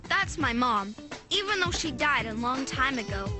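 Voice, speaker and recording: A woman's voice: high voice, sing-song, moderate pace, music in the background. A woman voicing an earnest young schoolgirl heroine in a cartoon dub, wide-eyed and sing-song.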